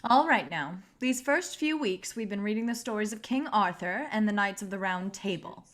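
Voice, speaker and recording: A woman reading the part of a stern, impatient high school teacher, formal and authoritative, in a script table read. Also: expressive, moderate pace, a bit bright, natural voice. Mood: instructive. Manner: formal, clipped classroom authority.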